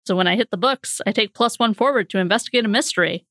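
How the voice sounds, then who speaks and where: A woman's voice: mid-range voice, quick pace, fairly bright tone, dry recording, clean studio sound. A woman casually describing her character in a tabletop game, chatty with frequent fillers and laughs. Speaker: player.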